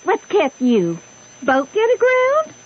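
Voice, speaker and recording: A woman's voice: very high-pitched, wildly swooping pitch, slow pace, heavily acted. A woman playing an affectionate, bossy farm aunt with an American Southern accent, folksy and exclamatory, in an old radio drama. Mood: joyful, fussing. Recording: dull old radio recording.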